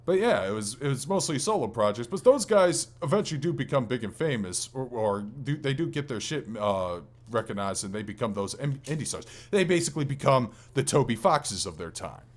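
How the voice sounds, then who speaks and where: A man co-hosting a podcast, chatting casually about video games in a rambling, halting way that often restarts. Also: medium pitch, sing-song. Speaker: podcast co-host.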